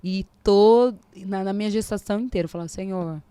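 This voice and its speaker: A Brazilian woman in her forties, a podcast guest, telling a faith testimony in lively casual talk and acting out the dialogue. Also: mid-range voice, a little fast, clean tone, no echo. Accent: Brazilian Portuguese. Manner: animated storyteller, acts out quoted dialogue.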